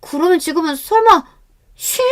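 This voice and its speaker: A clever eighteen-year-old girl teases with high, sweet, mock-innocent questions, as a woman narrator voices her. Her voice sits well above the narration. It is a storytelling radio drama. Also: lively intonation, normal speed. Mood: sly teasing. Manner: bright, sweetly mocking questions.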